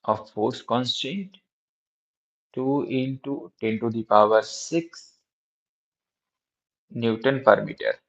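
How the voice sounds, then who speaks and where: A man with a South Asian accent teaching a live physics lesson in a halting, repetitive way, often checking with his students. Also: lowish voice. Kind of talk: live exam-prep lesson, working through problems. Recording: dull lo-fi recording.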